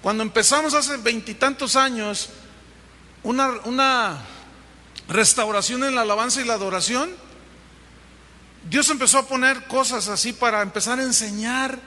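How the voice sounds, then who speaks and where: A man's voice: extremely high pitch, moderate pace, long pauses, sharp tone. A male pastor with a Mexican accent preaching a sermon, emphatic and driving his points home through repetition. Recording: long hall reverb, faint noise.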